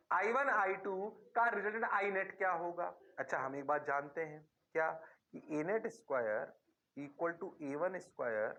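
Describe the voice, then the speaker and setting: An Indian-accented man gives a physics lecture in a high, bright voice. He speaks slowly and draws out his words, and now and then answers his own questions in the students' voice. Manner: drawn-out, playfully voices students' replies to himself. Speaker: physics teacher. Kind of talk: classroom lecture.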